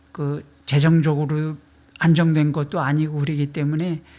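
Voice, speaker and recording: The man's voice sits fairly high in pitch and moves at a fairly slow pace. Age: 70s. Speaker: education activist, former math teacher. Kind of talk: interview answer.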